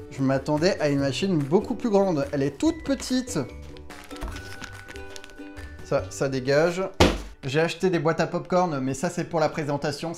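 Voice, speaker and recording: Playful, self-mocking man hosting a vlog. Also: fairly high pitch. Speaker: YouTube host testing gadgets. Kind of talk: casual unboxing vlog.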